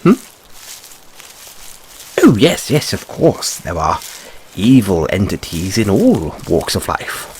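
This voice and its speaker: A man's voice: low-pitched, sing-song, slow pace, long pauses, a little mellow, slight background noise, exaggerated voice, poor audio. A man voicing a curious, fussy white rabbit boy in a fantasy audio roleplay, musing theatrically with quaint, questioning phrasing. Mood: musing, inquisitive.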